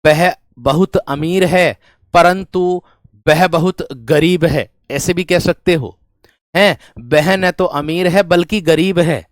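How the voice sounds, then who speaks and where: Taking it slowly, a Hindi grammar teacher with a slightly high male voice leads a classroom lesson, dictating example sentences and repeating phrases. He often uses familiar rhetorical questions to check that students follow along. The sound is studio quality with no echo.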